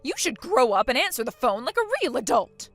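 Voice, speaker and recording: A woman plays a bossy middle-aged mother-in-law, loud and demanding in a dramatized story. Her voice sits high and swings widely as she scolds. Soft music plays underneath. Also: very animated, moderate pace, no room sound. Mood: scolding.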